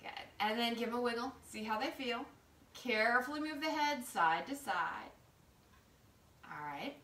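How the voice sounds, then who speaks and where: Recorded indoors at home by a camera far across the living room, this yoga teacher guides her class step by step with a playful, casual, encouraging manner. She speaks on the high side, animated and fairly bright, at a measured pace, and the room sounds open and roomy.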